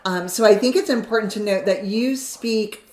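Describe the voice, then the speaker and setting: A woman's voice: mid-range voice, normal speed, roomy sound. A middle-aged woman with an American accent, hosting a podcast with casual interview chat. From United States. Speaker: podcast host.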